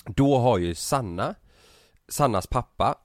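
A young man telling a long anecdote in casual chat, animated, with many filler sounds and swearing. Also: mid-range voice, dry recording, clean studio sound.

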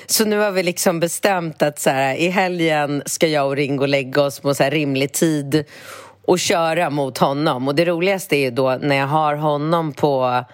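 Woman, podcast co-host, animated casual chat, lots of swearing, lower voice, dry close mic. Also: dry recording. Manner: animated, swears a lot, laughs while telling stories.

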